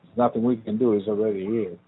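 A man in casual chat, talking in a profane, animated rant that trails off and picks back up. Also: on the low side, fast talker, husky. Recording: tinny phone-like sound.

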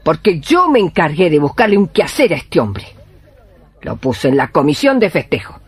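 A woman's voice: sits low, big pitch swings, normal speed, slightly rough, no room sound, heavily acted. Swooping, bossy old Argentine healer woman. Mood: bossy, triumphant. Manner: folksy, scolding, repetitive. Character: bossy, meddling old village healer woman, tender and scolding. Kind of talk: Spanish-language radio drama acting.

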